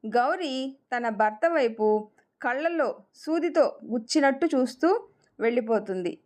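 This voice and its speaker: A woman narrating a romantic family story, reading it aloud in an expressive storyteller's manner. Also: high voice, moderate pace.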